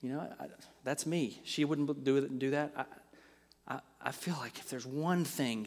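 On a very clean recording with a silent background, a normal speaking voice goes at a moderate pace with ordinary pitch variation. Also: man. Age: 30s. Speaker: pastor. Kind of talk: sermon. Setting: church.

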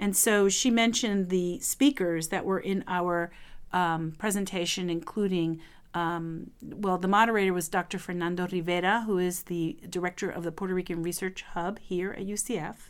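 A woman at a moderate pace, medium pitch and fairly even intonation, in an ordinary speaking voice, on a very clean recording with a silent background. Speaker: professor. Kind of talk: interview. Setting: live event venue.

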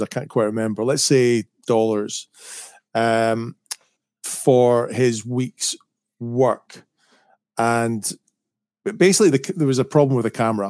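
A medium-pitched man's voice in a Scottish accent, fairly slow with long, frequent pauses and fairly even intonation. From Scotland. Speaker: author. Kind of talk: casual chat.

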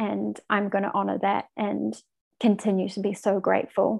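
Against a quiet background, a woman with a New Zealand accent talks at a moderate pace. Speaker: poet and self-published author. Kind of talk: interview conversation.

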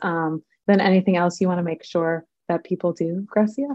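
Someone with an ordinary speaking voice and an American accent talks at a fairly quick pace with fairly even intonation. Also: woman. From United States. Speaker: program manager at a tech nonprofit.

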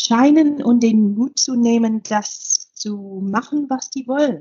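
This woman speaks at a very slow pace. She has an English accent. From England. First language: English (speaking German). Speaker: life coach. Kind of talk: casual interview. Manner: halting.

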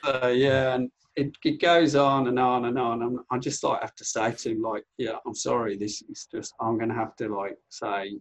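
A man with an English accent, fairly even intonation and hardly any pauses, in a dry, close sound with no echo. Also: medium pitch for a man, moderate pace. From England. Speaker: designer. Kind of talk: casual interview chat.

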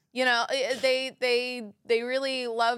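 In a very clean recording with a silent background, a woman with a Brooklyn accent talks at a moderate pace. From Brooklyn, New York. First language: Italian. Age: 30s. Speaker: cooking show host and author. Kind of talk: casual interview chat. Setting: studio.

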